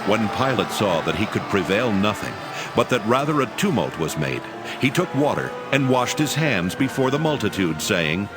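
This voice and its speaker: A man's voice: lowish voice, very animated, moderate pace, over loud music. A man narrating scripture as a dramatized reading.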